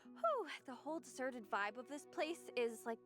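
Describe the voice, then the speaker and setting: A woman co-presenting a promotional showcase in a bubbly, excitable, colloquial way. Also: high-pitched, moderate pace. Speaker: co-presenter of a game update showcase. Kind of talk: bubbly semi-scripted promotional chat. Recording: loud music bed under the voice. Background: loud music.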